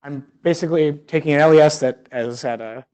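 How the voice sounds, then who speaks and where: A man's voice: fairly high pitch, a little fast, a little mellow, clear, resonant tone. A man presenting research at an academic seminar in a conversational, explanatory way, often rewording his phrases as he thinks aloud. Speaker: research scientist giving a seminar talk.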